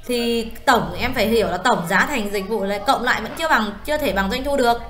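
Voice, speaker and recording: A woman talks quickly and a little high, walking a student through accounting steps in a brisk, explanatory way. She keeps checking whether her listener follows. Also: a bit bright. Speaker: accounting tutor. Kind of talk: one-on-one software tutoring session.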